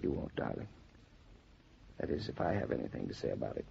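An actor playing a gentle, earnest young newlywed husband in a 1940s radio drama. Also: male voice, a bass voice, very animated, fairly quick, creaky, noisy background, heavily acted. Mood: tender. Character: David, young newlywed husband, tender and reassuring. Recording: dull 1940s radio transcription.

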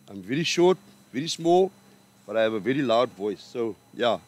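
A man's voice: medium pitch, lively intonation, measured pace. An older South African man giving a funeral address outdoors at a cemetery, speaking plainly and personally into a stand mic. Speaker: pastor.

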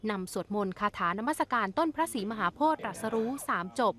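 A woman reporter voicing a formal, scripted news report over field footage. Her voice sits fairly high, and she reads in a measured, even way. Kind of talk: scripted royal news narration.

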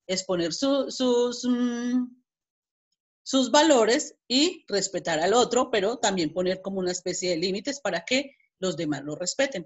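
A woman with a Colombian Spanish accent teaching an online class, explaining step by step with frequent restarts and repeated words. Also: lowish voice. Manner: reads example dialogues aloud with emphasis.

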